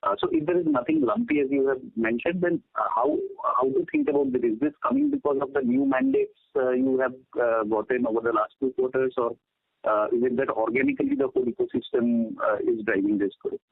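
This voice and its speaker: Man, analyst asking questions, swooping intonation, creaky, telephone sound. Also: fairly high pitch, wildly swooping pitch, brisk, no room sound. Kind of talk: spontaneous questions on an earnings call. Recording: dry, narrow telephone line.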